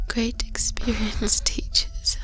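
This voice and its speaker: Woman acting motherly vampire, ASMR roleplay, higher-pitched soft breathy voice, slow, gentle, reassuring, close binaural mic. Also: huge pitch swings, full character voice. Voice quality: breathy, whispery. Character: calm, motherly elder female vampire mentoring a fledgling. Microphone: close binaural microphone. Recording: soft music behind.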